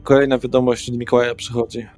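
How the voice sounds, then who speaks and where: A man's voice: mid-range voice, little pitch movement, fast talker, darkish tone. A man narrating a tabletop roleplaying game as its game master. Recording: dry voice over music bed. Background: background music.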